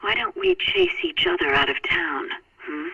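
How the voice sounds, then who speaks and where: Black Cat, sharp, teasing phone voice. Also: female voice, extremely high pitch, huge pitch swings, normal speed, creaky, exaggerated voice. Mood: teasing, flirty. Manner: sultry, playful, teasing. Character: flirtatious, teasing female cat burglar. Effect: phone filter. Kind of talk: video game voice acting. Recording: band-limited phone call.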